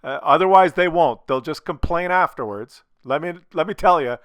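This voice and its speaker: A man's voice: fairly high pitch, normal speed, a bit bright, smooth, no echo, studio quality. A man talking casually to his viewers, blunt and opinionated, swearing freely, while losing his voice from a cold. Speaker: gaming video creator.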